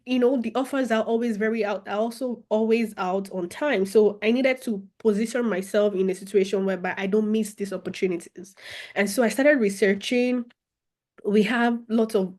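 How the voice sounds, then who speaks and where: A young woman with a Nigerian accent tells her own story as an interview guest. She talks expressively and animatedly, circling back on her phrases as she goes. Her voice sits at an ordinary middle pitch. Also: a little mellow. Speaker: guest, former international student.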